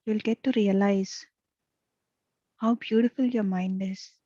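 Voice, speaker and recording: A woman leading a guided meditation as a teacher, speaking softly and soothingly with long pauses. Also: medium pitch, fairly even intonation, dry recording, lo-fi sound. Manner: soft, gentle, soothing delivery with long pauses.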